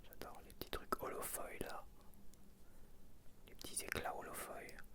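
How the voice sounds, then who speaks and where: Male ASMR creator. Whispered, casual, unhurried murmuring in short fragmentary remarks, addressed to the listener. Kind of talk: whispered ASMR, casual sticker-unboxing commentary.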